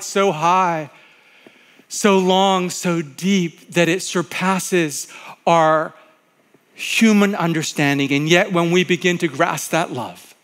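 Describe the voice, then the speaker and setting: A pastor preaching to his congregation, his voice a touch higher than most men's. He is middle-aged and tells his story with quoted voices for the people in it. He slows right down on the words he wants to land. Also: a bit bright. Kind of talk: sermon.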